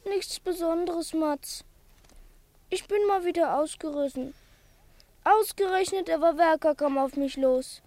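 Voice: extremely high pitch, measured pace, a little mellow, no echo. A performer playing a small, timid schoolboy who blames himself, speaking earnestly and confidingly in a children's radio play. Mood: ashamed, earnest.

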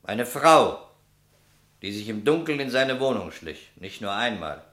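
An actor playing a shrewd, insistent police detective in a German crime radio drama, asking pointed questions. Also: male voice, lowish voice, big pitch swings, unhurried, a bit bright. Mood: coolly pressing.

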